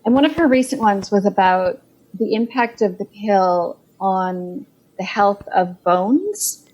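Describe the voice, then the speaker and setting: A woman's voice: medium pitch, lively intonation, slow, darkish tone, dull audio. Earnest Canadian woman explaining research. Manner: earnest, explanatory, building detailed points. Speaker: guest, clinician and author. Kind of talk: podcast interview over a call.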